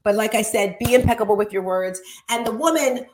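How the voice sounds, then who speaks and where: A woman with a fairly high voice hosts an online show. She is animated and playful, given to exclamations, and talks in an informal, motivational style. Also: a little fast, noisy background. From Caribbean. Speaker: talk show host.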